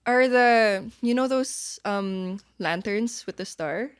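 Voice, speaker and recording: A woman's voice: medium pitch, slow pace, clear, resonant tone, no room sound, clean studio sound. A woman, chatting animatedly as a podcast guest and laughing often. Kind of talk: casual chat.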